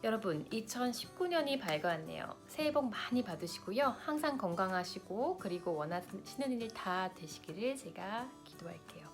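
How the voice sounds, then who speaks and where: A woman's voice: mid-range voice, animated, normal speed, few pauses. Vlogger, woman, late 30s, big-sister advice to camera, faint music under. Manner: warm big-sister advice, direct address to viewers. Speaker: lifestyle vlogger.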